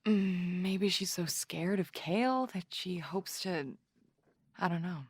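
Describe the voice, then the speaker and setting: A woman's voice: lowish voice, slow pace, slightly rough, no echo, clean studio sound, full character voice. A woman playing a blunt teasing podcast co-host. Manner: teasing, matter-of-fact. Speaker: true-crime podcast co-host. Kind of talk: audio drama acting.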